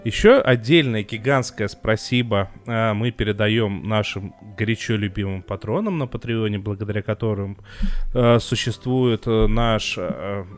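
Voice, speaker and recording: A man hosting a podcast, wrapping up the episode with jokes and thanks, often pausing with fillers. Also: fairly low pitch, soft background music. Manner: joking, with many filler pauses. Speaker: podcast host. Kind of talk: casual podcast outro chat.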